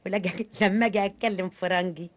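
An older woman with an Egyptian accent, a lively and joking actress chatting as a radio interview guest. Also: mid-range voice, fast talker, lo-fi sound.

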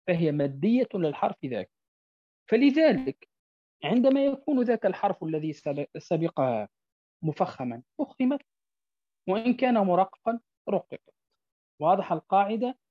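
A man teaching a tajweed lesson. He draws example words out slowly and keeps checking that his listeners follow. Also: sits high, dry recording. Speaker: Quran recitation teacher. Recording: dull, dry lo-fi recording.

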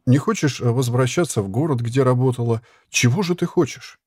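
A man doing a gruff wandering herbalist. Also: medium pitch, a little fast, a little mellow, no room sound, pitched above the performer's own voice, close to an everyday voice. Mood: stern.

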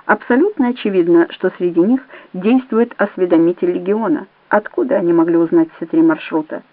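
A woman's voice: on the low side, fairly quick, no room sound. A woman playing a cold, curt male agent. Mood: cold interrogation. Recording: dry, tinny phone-like audio.

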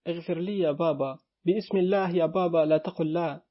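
A man voicing a sly little girl who begs her father for forgiveness, in a husky voice. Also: on the high side, steady tone, fast, natural voice. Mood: pleading. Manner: pleading, childlike. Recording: dull lo-fi recording.

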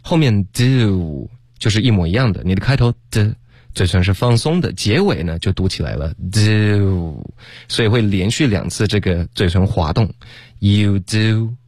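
A man co-hosting a radio English lesson, explaining how to shape the lips and modelling phrases slowly. He laughs often between explanations. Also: fairly low pitch, lively intonation, a little mellow, slightly rough, no room sound, studio quality. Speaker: English pronunciation teacher, co-host. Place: radio studio.

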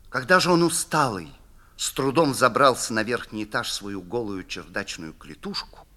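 A man giving an expressive, theatrical reading of a classic story as narrator. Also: medium pitch.

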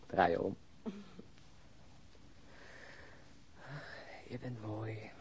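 An actor playing a weary, wry police detective and husband in a naturalistic radio drama, speaking in a laconic, dry, understated way. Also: male voice, lowish voice, takes it slowly, creaky, a little hiss or hum. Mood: wry, playful.

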